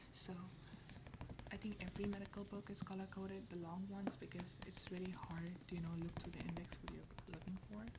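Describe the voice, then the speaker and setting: A whisper at a moderate pace, with noticeable background noise behind it. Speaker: medical student. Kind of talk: ASMR whisper ramble. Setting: home room with traffic noise. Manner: whispered.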